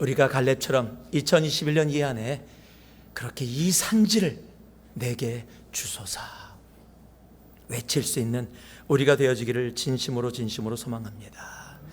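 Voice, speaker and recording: The voice is somewhat breathy, with long, frequent pauses. It moves at a moderate pace with ordinary pitch variation and audible room echo. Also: man, medium pitch for a man. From South Korea. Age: 50s. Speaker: pastor. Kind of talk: sermon.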